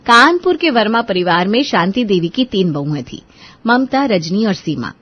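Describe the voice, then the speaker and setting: A woman narrating a family story in an animated, expressive manner. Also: medium pitch, moderate pace, highs cut off. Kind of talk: scripted narration.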